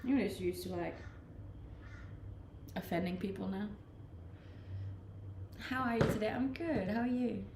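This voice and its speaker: In an echoey room with faint ambient noise, a young streamer from Denmark talks over her viewers' comments in a mid-range voice, at a measured pace with frequent pauses. Her slight Danish accent is mixed from living abroad, and she's chatty, laid-back and quick to laugh.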